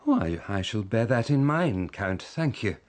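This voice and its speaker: A man's voice: on the low side, sing-song, normal speed, a little mellow. A man playing a guarded crown prosecutor who answers stiffly and evasively. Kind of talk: radio drama acting.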